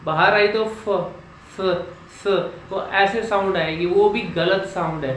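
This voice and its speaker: A man working as a speech coach, explaining how sounds are made and slowly drilling single syllables in an instructional vlog. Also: high-pitched, fairly bright tone, a little hiss or hum. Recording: echoey room with faint ambience.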